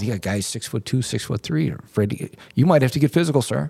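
A man with a dark, mellow tone and a somewhat breathy quality speaks at a fairly quick pace. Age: 50s. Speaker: detention deputy. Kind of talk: casual interview.

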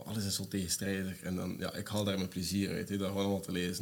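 Delivered in a Flemish accent, the speech races at a very fast pace with monotone, flat intonation. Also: man. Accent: Flemish Dutch. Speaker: podcast host. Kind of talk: casual interview.

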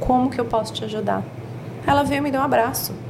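A woman talks fairly quickly, her voice carrying audible room echo amid noticeable background noise. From Brazil, São Paulo (Interlagos). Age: 40s. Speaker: founder of a bilingual cultural project, former lawyer. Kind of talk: casual interview chat. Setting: café.

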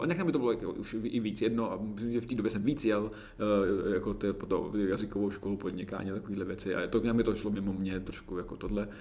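A man talks at a very fast pace. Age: 40s. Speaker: professor of pathology. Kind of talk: interview.

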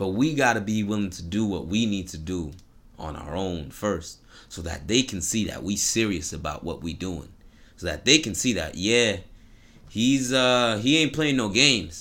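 A man talks at a moderate pace in a bright, sharp, animated tone with lively intonation. Audible room echo surrounds his voice. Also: fairly low pitch for a man. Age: 20s. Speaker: podcast host. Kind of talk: casual monologue.

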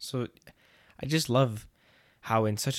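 Fairly even in intonation, a man with an American accent uses an ordinary speaking voice at medium pitch. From United States. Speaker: podcast co-host. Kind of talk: casual chat.

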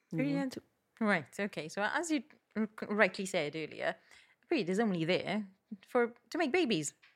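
With a Welsh accent, a woman of medium pitch moves at a moderate pace, her pitch swinging very widely and her speech broken by long, frequent pauses. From Wales. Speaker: doctor. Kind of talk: casual chat.

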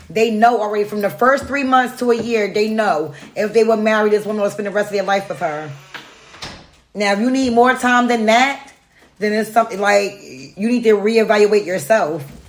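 The speech moves at a moderate pace, and noticeable background noise runs beneath it. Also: woman, fairly high pitch for a woman, ordinary pitch variation. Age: 30s. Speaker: podcast guest, host's best friend and mother. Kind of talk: casual chat. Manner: blunt.

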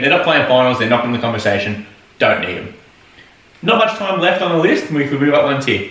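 Speaking fairly quickly with an Australian accent, a man uses lively intonation at a medium pitch, with noticeable background noise and audible room echo. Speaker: podcast host. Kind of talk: casual chat.

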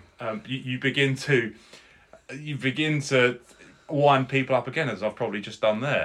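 In a British accent, a man speaks at a moderate pace and medium pitch with vocal fry. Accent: British English, informal. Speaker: podcast co-host. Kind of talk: casual banter chat.

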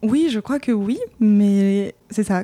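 A woman's dark, mellow voice at a medium pitch, in a very clean recording with a silent background. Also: dry, close sound with no echo. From Japan and Montreal, French schools. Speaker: podcast guest. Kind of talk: casual interview. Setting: guest's home. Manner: hesitant with fillers.

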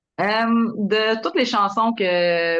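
A woman speaks in a Quebec accent. The sound is dry and close with no echo, and the background is quiet. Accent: Québécois French. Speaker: podcast co-host. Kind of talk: interview.

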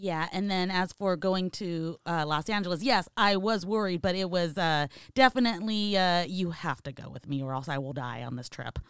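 A woman with a plain, everyday voice, fairly low pitch and lively intonation, at a moderate pace with hardly any pauses, on a very clean recording with a silent background. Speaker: wife of the guest. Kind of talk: casual chat.

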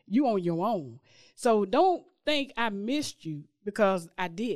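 In a Southern US accent, a woman speaks at a medium pitch with very wide pitch swings. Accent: Southern US (Georgia). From Columbus, Georgia, US South. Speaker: sheriff's office clerk and gospel vlogger. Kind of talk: casual chat. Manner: relaxing.

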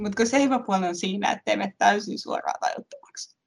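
A woman's intonation is lively. Her voice has vocal fry. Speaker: podcast host with epilepsy. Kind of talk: casual chat.

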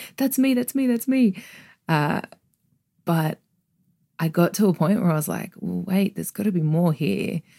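A woman speaks at a moderate pace with long, frequent pauses, her fairly low voice somewhat breathy with a warm, dark, mellow tone and lively intonation. The sound is dry and close with no echo, a very clean recording over a silent background. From Australia, outskirts of Sydney. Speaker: podcast host, spirituality and healing. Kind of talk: solo monologue, reflective introduction to a spirituality podcast. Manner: warm, reflective, filler-heavy.

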